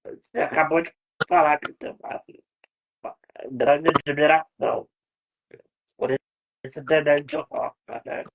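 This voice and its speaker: A man hosting a podcast, asking unhurried questions in a casual interview. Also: a little high, steady tone, a bit bright. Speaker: podcast host.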